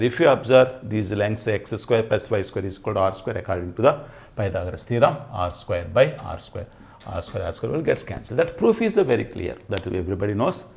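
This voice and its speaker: A man's voice: lowish voice, a little mellow. A middle-aged man with a Telugu accent teaching at a whiteboard, emphatically repeating phrases and asking himself questions. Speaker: maths teacher. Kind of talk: classroom lesson at a whiteboard. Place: indoors at a whiteboard. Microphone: lapel mic.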